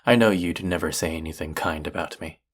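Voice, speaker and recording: A man's voice: sits low, brisk, husky. A man playing a cocky, bickering chef in an intimate audio roleplay, with a teasing, sardonic and condescending manner. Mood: teasing, irritated. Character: cocky, bickering male chef, grudgingly fond rival. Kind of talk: intimate audio roleplay acting addressed to listener.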